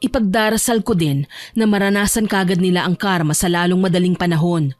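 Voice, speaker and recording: Woman voicing a calm, measured older sister. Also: lowish voice, no room sound, natural voice. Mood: soothing. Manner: measured, soothing, admonishing. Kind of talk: audio drama storytelling.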